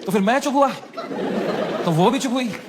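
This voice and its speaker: A male stand-up comedian, telling a story on stage in lively, code-switching style. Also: very high-pitched, normal speed, a loud crowd, heavy background noise. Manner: animated, switching between Hindi and English. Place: live comedy stage with audience.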